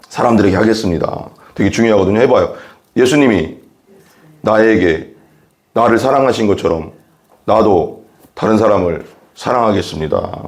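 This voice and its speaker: A man's voice: on the low side, darkish tone. A man preaching a sermon as a pastor, reading Bible verses and explaining them earnestly, often repeating phrases and asking rhetorical questions.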